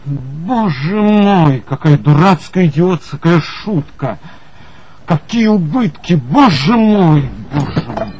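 An actor playing a nervous, fretful office manager left in charge, in a 1960s radio play. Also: male voice, fairly high pitch, animated, slow, pauses often, darkish tone, muffled recording. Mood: dismayed. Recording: faint hiss on old studio tape.

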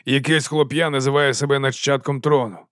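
A man's voice: mid-range voice, fairly even intonation, fairly quick, dry recording, studio quality, natural voice. A man voicing a weary, sceptical watch captain in an audiobook. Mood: gruff. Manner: gruff, sceptical.

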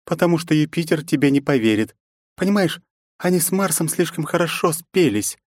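A man's voice: on the high side, animated, fairly quick, darkish tone, no room sound, clean studio sound, voice pushed up. A man voicing an anxious, cautious older woman pleading on a phone call in an audiobook. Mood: worried.

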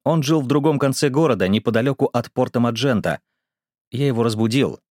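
A man reading an audiobook as narrator, in an even, measured way. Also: mid-range voice, no room sound, studio quality.

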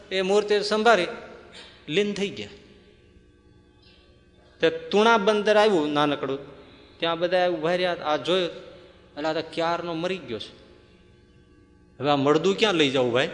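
A man preaching a sermon, telling a devotional story in a lively way and often chuckling. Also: a little high. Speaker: religious preacher. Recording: long hall reverb.

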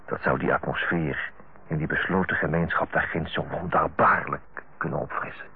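An actor playing an earnest, tender brother in a Dutch radio play, speaking in a solemn, eloquent, husky voice. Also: male voice, extremely low pitch, moderate pace, heavily acted. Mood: pleading, tender. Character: earnest, tender brother counselling his older-aged sister. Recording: muffled, phone-like old radio recording.

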